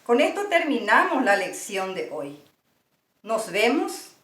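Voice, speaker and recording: Slow, patient woman teaching, echoey room. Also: on the high side, wildly swooping pitch, fairly bright tone, recorded from a distance. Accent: Paraguayan Spanish. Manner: slow, patient, spells out sounds one by one. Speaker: language teacher. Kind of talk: slow, deliberate language lesson.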